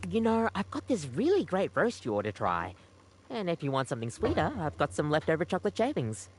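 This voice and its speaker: A woman playing a cheerful young barista in an audio story, speaking in a bright customer service voice. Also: deep voice, wildly swooping pitch, brisk, slight background noise. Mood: helpful. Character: cheerful young female barista, coffee-proud and accommodating. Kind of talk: scripted character acting in an audio story game. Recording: music behind the voice.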